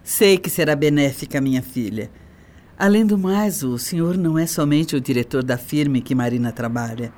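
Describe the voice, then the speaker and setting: A woman's voice: sits low, lively intonation, normal speed, darkish tone. A refined middle-aged Brazilian mother of the radio soap. She is polite and elegant, with a calculating edge beneath her courteous, theatrical phrasing. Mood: polite, ingratiating. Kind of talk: radio soap opera acting.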